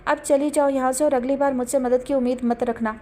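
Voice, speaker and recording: A woman's voice: sits high, fairly even intonation, lightly acted. A woman voicing a firm, protective elder sister who answers coldly and sharply in an audiobook drama. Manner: cold, sharp, scolding.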